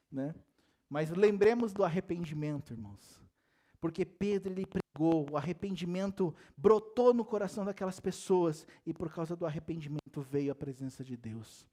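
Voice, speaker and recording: Preaching a lively sermon, a pastor speaks a little fast in a fairly high, warm voice. He addresses the congregation directly with plenty of rhetorical questions, laughing and joking throughout.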